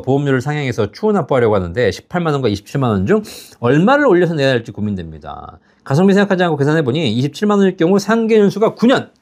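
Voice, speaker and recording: This is a man in his fifties hosting a live pension advice stream. His voice is mellow and on the higher side, and his pitch swings widely as he talks. He reads viewer questions and answers them casually, laughing at his own anecdotes. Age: 50s. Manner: chatty, laughs at his own stories, asks "right?" often.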